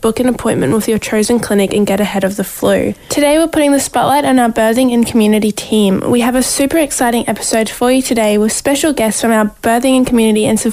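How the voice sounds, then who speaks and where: A female radio presenter with an Aboriginal Australian accent delivers scripted segments. Her voice sits a little above average in pitch, with noticeable vocal fry running through it. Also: a little mellow. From Western Downs region, Queensland, Australia. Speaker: radio host.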